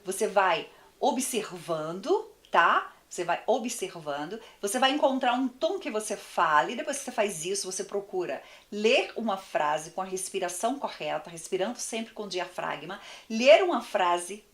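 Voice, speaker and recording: A woman's voice: medium pitch, animated, normal speed. A woman teaching an online communication course, speaking straight to the viewer and acting out examples. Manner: didactic, addresses the viewer directly, acts out examples.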